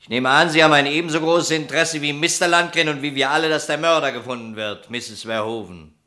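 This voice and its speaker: A man's voice: fairly high pitch, fast talker, pushed and bright. An actor playing a persistent police detective in a German radio crime play, formal and methodical in his questioning. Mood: pressing.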